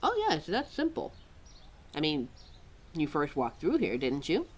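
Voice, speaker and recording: Girl acting as a rambly lore keeper lady, slow talker, kinda indignant, chats to herself, audio roleplay. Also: sits low, husky, exaggerated voice. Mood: helpful, chatty. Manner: rambling, talks to self, animated, sighing. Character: chatty, indignant woman keeper of forgotten supernatural lore. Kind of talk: ad-libbed audio roleplay, addressed to a listener.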